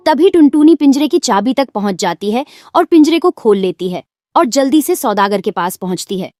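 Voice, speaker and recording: A woman narrating a children's cartoon story in an even storytelling manner. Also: a little high, normal speed, no room sound, clean studio sound. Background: music.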